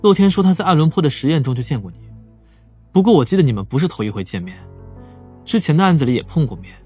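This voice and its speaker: A man's voice: a little high, lively intonation, fast talker, slightly rough. A man playing a clever, composed young police psychologist in an audiobook drama, probing and explaining. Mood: probing, calm. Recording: dry voice over soft music.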